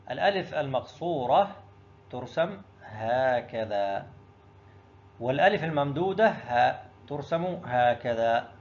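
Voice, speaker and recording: A man's voice: a little high, dull audio. A male teacher going through an exam review lesson, explaining each answer step by step and asking himself questions before answering them. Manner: addresses students directly.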